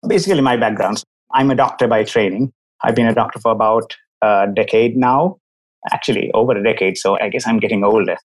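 The voice is on the low side, steady and brisk. It belongs to a Sri Lankan-accented man in his thirties from Sri Lanka, a doctor and company CEO, who is a guest in a casual interview on a video call and shares his story with frankness and clarity.

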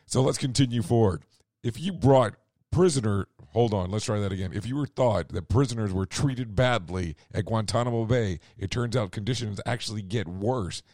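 A man hosts a radio talk show while his voice is going hoarse. His low voice sounds dry and close. He rambles through the news, corrects himself often and drops sarcastic asides. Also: normal speed, a little mellow, no room sound. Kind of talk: casual news commentary.

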